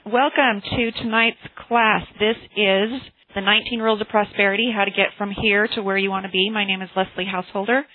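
A woman's voice: mid-range voice, fairly even intonation, a little fast, few pauses, no room sound. A woman hosting a motivational class on a group phone call, speaking earnestly and sharing personal stories over a tinny line. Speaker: host and teacher of a motivational class. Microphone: telephone conference call.

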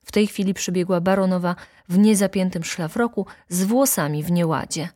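A woman narrating a classic novel as an audiobook in a steady, even storytelling manner. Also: on the low side, fairly quick.

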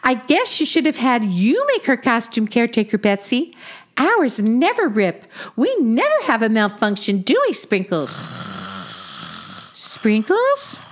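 A woman voicing an excitable, chatty young tortoise in a children's audio story, gushing and exclaiming. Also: fairly high pitch, measured pace. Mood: eager, playful.

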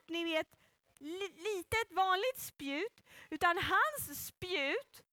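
A woman telling a Bible story to children in a playful, animated way and bringing up child volunteers. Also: extremely high pitch, no room sound. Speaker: children's church leader.

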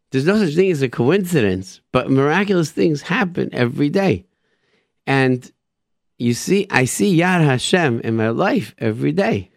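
A man's voice: medium pitch, no room sound, clean studio sound. A man hosting a radio show, telling personal religious stories informally and emphatically, repeating phrases and sprinkling in Hebrew and Yiddish expressions.

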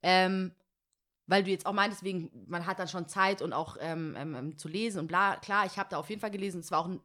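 A woman's voice: lowish voice, quick pace, a bit bright. A woman co-hosting a podcast in casual, slangy chat full of fillers. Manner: chatty, slangy, many fillers. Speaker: podcast co-host.

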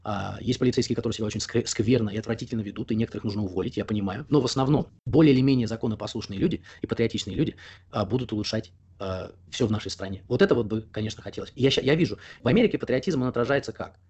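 A young man being interviewed, talking at length in an opinionated way, often pausing on fillers. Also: fairly low pitch, a little mellow, slightly rough, dull audio. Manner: talkative, opinionated, explains at length with frequent fillers. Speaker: interview guest. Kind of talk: casual conversational interview.

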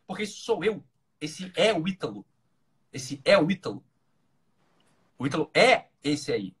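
A man with a Brazilian accent giving informal, opinionated advice in a blunt, emphatic way, repeating phrases and asking rhetorical questions, with a husky voice. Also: fairly high pitch, very animated, normal speed, a bit bright. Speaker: live-talk host giving relationship advice.

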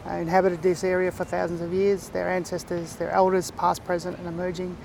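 A man with an Aboriginal Australian accent speaks in a fairly high register with little melodic swing and a touch of creak. He talks reflectively as an interview guest, explaining as he goes and pausing mid-thought. Light outdoor noise sits behind him. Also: completely flat delivery, a little mellow, rough recording. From Far East Gippsland, Victoria, Australia. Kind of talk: reflective casual interview talk.

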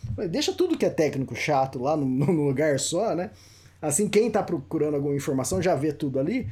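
A Brazilian author appearing as a podcast guest chats casually in Brazilian Portuguese-accented speech, laughing as he tells anecdotes and acting out quoted voices. His voice is a little high, husky and slightly mellow, delivered very animatedly and fast.

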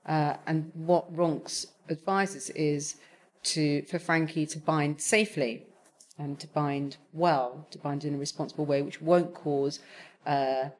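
A woman's voice: sits low, fairly even intonation, slow pace, a little mellow. A woman talking on a panel, hesitant, with many fillers and restarts. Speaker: TV executive on a panel. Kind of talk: conversational panel talk.

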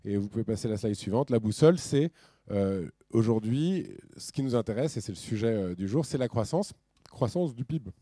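Guy giving a talk with slides, mellow voice, dry close sound, lots of euh and restarts. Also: medium pitch, moderate pace, dry recording. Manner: lively, many restarts and fillers. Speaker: speaker.

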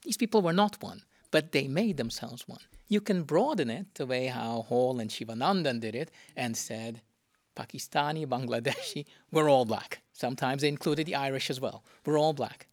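A man with a gravelly edge to his voice explains a concept at length, leaning into key words and acting out quotations. His voice is rough with fry, and the recording is dry and close. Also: mid-range voice, moderate pace, no room sound. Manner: lecturing, emphatic, with quoted asides. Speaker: interviewee. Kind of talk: academic conversation.

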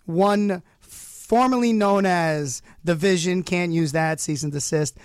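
A male radio host, hoarse from losing his voice, hyping up his show with joking, showy banter in a studio. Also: high-pitched, no echo. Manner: showy, joking, rapid riffing introductions. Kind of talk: playful, hyped radio banter. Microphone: studio microphone.

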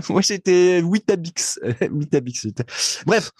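A man's voice: sits high, lively intonation, takes it slowly, darkish tone, breathy edge, no room sound, studio quality. A man co-hosting a casual podcast, explaining things at length in a chatty way and laughing easily. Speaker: podcast co-host. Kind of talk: casual chat.

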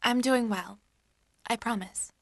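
Actress as a high-voiced, guarded young woman. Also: slow pace, a bit bright, dry recording, clean studio sound, heavily acted. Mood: guarded, reassuring. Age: young adult. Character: worried, guarded young woman student visiting her aunt. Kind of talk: scripted audio drama acting.

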